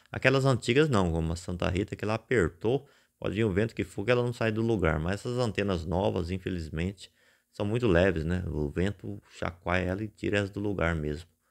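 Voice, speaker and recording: Over a quiet background, a man with a very deep, low pitch talks at a fairly quick pace in a relaxed tone, with ordinary pitch variation. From Brazil. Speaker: satellite dish YouTuber; satellite TV vlogger. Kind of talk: casual reading of viewer comments. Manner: relaxed, conversational. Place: home room. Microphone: phone near.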